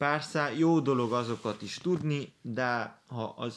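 Ordinary pitch variation from a male speaker pitched in the medium range. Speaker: language teacher podcaster. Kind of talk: tutorial. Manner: careful clear enunciation.

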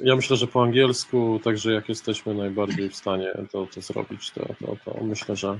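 Against a quiet background, a man with a normal speaking voice and a fairly low pitch talks at a fairly quick pace with fairly even intonation. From Poland, Lublin. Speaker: podcaster. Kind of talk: casual chat. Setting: video call.

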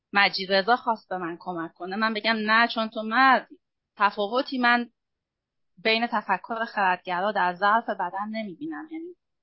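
Here is a woman with a normal speaking voice. She keeps a moderate pace and ordinary pitch variation. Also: fairly high pitch for a woman. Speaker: party official and women's affairs secretary. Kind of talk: panel discussion.

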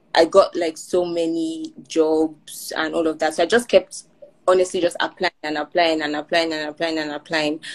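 A woman speaks at a moderate pace in a normal speaking voice, with a fairly low pitch. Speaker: guest sharing relocation story. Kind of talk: casual chat. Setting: live online video session.

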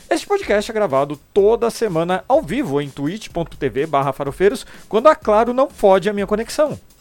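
Moderate in pace, the delivery holds steady in speed. Its pitch leaps across a very wide range. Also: man, high pitch for a man. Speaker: podcast host. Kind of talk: scripted intro; casual chat. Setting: live stream.

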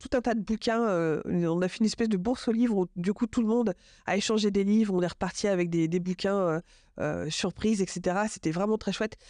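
The sound is dry and close with no echo against a quiet background. A woman speaks at a medium pitch with a dark, mellow tone and fairly even intonation. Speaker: podcast host and illustrator. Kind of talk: casual monologue. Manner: halting with fillers.

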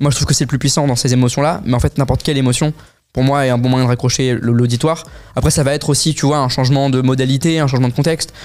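A man talks at a very fast pace and medium pitch. His intonation is fairly even, and his loudness stays very even. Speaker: public speaking coach and content creator. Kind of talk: casual chat.

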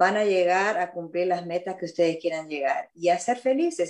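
Normal pitch movement and a middling speed from a woman. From Argentina, Buenos Aires and Rosario. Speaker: home staging designer. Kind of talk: interview testimony.

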